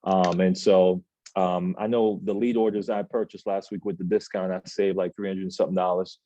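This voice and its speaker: A man in his thirties hosting an office team meeting, reading out announcements in a relaxed, chatty way with plenty of filler sounds. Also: sits low, normal speed, highs cut off. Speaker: agency meeting host. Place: office meeting room, indoors.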